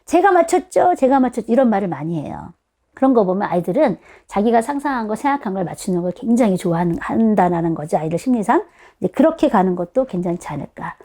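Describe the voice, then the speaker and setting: A woman giving an explanatory, conversational talk to parents as an educator, animated and often putting questions to her listeners. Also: a little high. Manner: animated, acts out short quotes of children and parents.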